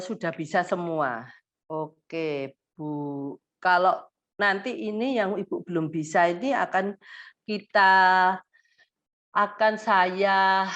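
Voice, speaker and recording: A woman, an autism therapist giving a live-streamed lesson to parents, talking animatedly and mixing in English words. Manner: animated, acts out high exaggerated example phrases; mixes English words into her talk. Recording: dull lo-fi stream audio.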